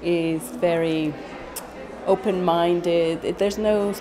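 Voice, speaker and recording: A middle-aged woman speaking calmly and in measured terms about valuing silence. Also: lowish voice, crowd noise. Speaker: churchgoer. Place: church hall.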